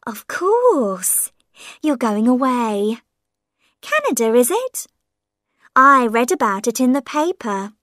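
A woman's voice: a little high, sing-song, takes it slowly, long pauses, a bit bright, no echo, studio quality, full character voice. A woman voicing an old woman with a painted face who taunts and wheedles her grown son in a storybook reading. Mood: wheedling. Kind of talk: audiobook character voice.

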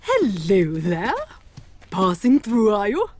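A man's voice: sits high, huge pitch swings, slow, darkish tone, a little hiss or hum, exaggerated voice. A man playing a polite, fawning villager in a video game cutscene.

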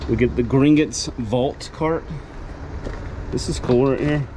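A man's voice: mid-range voice, slow pace. A man casually narrating as he sorts through boxes inside a storage container, thinking aloud in an easygoing way, recorded on a body-worn camera. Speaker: storage auction reseller. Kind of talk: casual unboxing commentary. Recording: noisy handheld outdoor recording.

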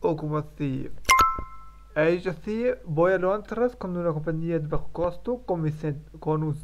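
A non-native man speaks in a slow, halting way, with a gravelly edge to his fairly high voice. He stops, repeats and corrects himself all the time. The stream audio sounds a bit muffled. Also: darkish tone, slight background noise. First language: not Spanish. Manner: hesitant, many fillers and restarts, self-correcting. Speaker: language learner streaming his practice. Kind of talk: halting live-stream practice talk.

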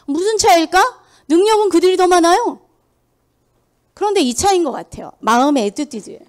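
A woman's voice: very high voice, expressive, fairly quick. A middle-aged woman giving a motivational sales lecture, emphatic, firing rhetorical questions at her audience and mimicking people's excuses. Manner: acts out quoted excuses in mocking voices. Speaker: sales seminar speaker. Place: lecture hall.

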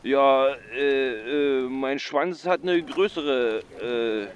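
Rambling, clueless caller. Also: male voice, mid-range voice, very slow, muffled recording, slight background noise. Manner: hesitant, full of filler sounds. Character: clueless, rambling male caller reporting a stolen bike.

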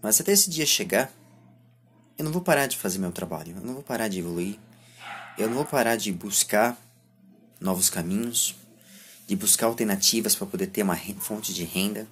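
A man in his twenties with a Brazilian accent and a husky voice, speaking a reflective monologue to camera as a vlogger, halting between short phrases. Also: lowish voice, expressive, a bit bright, slight background noise. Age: 20s. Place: small indoor room lined with bookshelves. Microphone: phone or camera at arm's length.

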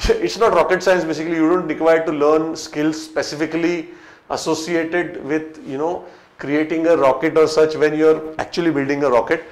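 Indian English male coach, 30s, fairly high voice, chatty with lots of fillers, roomy echo. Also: level tone, moderate pace. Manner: conversational, many fillers and restarts, gesturing while explaining. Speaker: restaurant business coach. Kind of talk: whiteboard talk to camera. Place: small room in front of a whiteboard, indoors. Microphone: fixed camera, medium shot. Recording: echoey small room.

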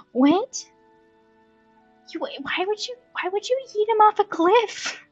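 A woman's voice: extremely high pitch, big pitch swings, slow pace, no echo, highs cut off. A woman giving casual, playful, giggly commentary as she streams a game with a friend. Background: soft game music.

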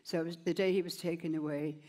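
A woman's voice: fairly low pitch, steady tone, fast, a little mellow. Older woman telling her story. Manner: plain, rambling, frequent "you know". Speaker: interview guest. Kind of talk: onstage conversation, personal story. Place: stage at a large gala, indoors. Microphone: headset mic.

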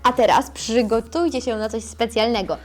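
A woman's voice: fairly high pitch, moderate pace, over loud music. A woman with a Polish accent demonstrating a toy puppy for children, coaxing it sweetly and giving it commands.

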